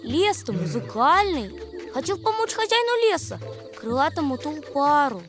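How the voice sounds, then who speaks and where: A woman voicing a small, clumsy male forest creature in a fairy-tale cartoon, excitable and childlike. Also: high-pitched, normal speed, over music. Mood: defensive, sorry.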